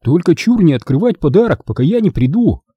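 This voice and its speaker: A man's voice: a little high, very animated, brisk, slightly rough, no room sound, dull audio, voice pushed up. A male audiobook reader voicing an eager schoolboy who pleads and protests. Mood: pleading.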